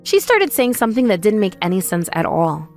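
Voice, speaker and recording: Woman storyteller, scripted first person drama narration, really animated, music in background. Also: medium pitch, brisk.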